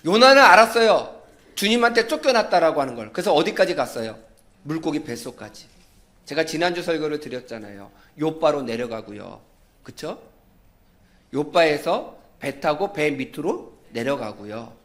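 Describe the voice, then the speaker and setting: A male pastor preaching a sermon, telling stories in a lively way and acting out the people in them. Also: on the high side, normal speed.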